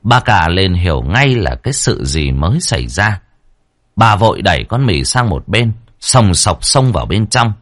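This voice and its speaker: A man narrating a dramatic audio story with an expressive, rising and falling delivery. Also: low voice, normal speed. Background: faint background music.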